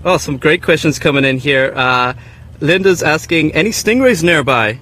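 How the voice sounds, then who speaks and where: A man's voice: fairly high pitch, expressive, moderate pace. A man from the Cayman Islands speaks from the surface over a dive radio link, reading out viewer questions with hesitant fillers. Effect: voice heard over a dive radio link from the surface. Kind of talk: live stream relay. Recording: distant radio link with loud noise.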